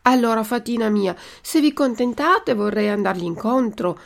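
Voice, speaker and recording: Woman voicing an excitable puppet boy, higher and louder than her narration, eager storybook hero. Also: moderate pace, gravelly. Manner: eager, exclaiming.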